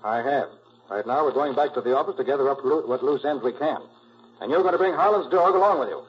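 A man's voice: medium pitch, quick pace, slightly rough, close to an everyday voice. A man playing a confident, shrewd master detective in a 1940s radio drama, decisive and authoritative. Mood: assured. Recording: muffled, noisy old 1940s radio recording.

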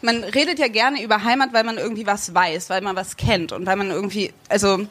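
A woman's voice: mid-range voice, fairly even intonation, a little fast, a bit bright. A young woman raised bilingual in Germany, chatting casually as co-host and searching for her words with many fillers and restarts. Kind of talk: casual chat.

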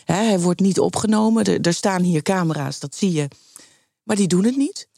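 Husky-voiced woman hosting radio. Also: normal speed, warm tone, no room sound, clean studio sound. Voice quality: hoarse, lowered voice from a cold. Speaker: host. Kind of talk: late-night radio podcast chat.

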